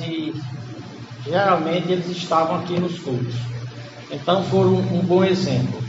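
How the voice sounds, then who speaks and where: Congested pastor preaching slowly in an echoey hall. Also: male voice, high-pitched. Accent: Brazilian Portuguese. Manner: unhurried teaching delivery, stresses key words. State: congested with a cold. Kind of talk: sermon. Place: church hall. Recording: echoey hall, dull lo-fi sound, noisy background.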